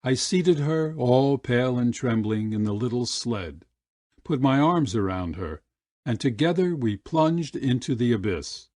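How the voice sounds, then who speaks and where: A man reads literary fiction as an audiobook narrator. His pace is slow and deliberate, with a medium-pitched voice in a dry, close recording. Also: expressive, darkish tone, no echo. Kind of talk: literary short story narration.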